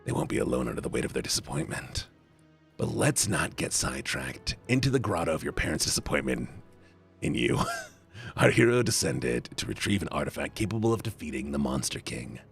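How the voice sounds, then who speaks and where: A man voicing a smug, theatrical male villain lord who tells his tale in a low, slow, dry drawl. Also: very animated, gravelly, breathy edge, soft background music, heavily acted.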